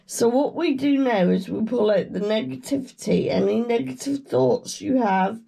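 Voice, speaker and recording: A woman with a British accent, croaky from a cold, giving a slow, meandering tarot reading with murmured chants. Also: on the high side, mellow. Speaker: tarot reader. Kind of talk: casual tarot reading chat.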